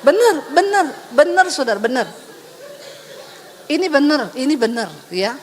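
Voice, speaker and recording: A woman pastor preaching an animated sermon, teasing the congregation with rhetorical questions. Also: high voice, unhurried, some chatter behind. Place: large church hall. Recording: long reverb of a large hall.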